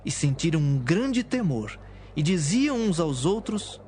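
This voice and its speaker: A man's voice: fairly high pitch, big pitch swings, a little slow, mellow, a little hiss or hum. A man reading scripted, dramatic narration for an audio Bible. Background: music.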